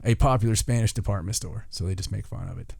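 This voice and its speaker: Reading a listicle with casual jokes, a male podcast host trips over foreign words in a folksy delivery. He speaks fast in a lowish, creaky, somewhat mellow voice with a breathy edge, and the studio recording is clean with no echo.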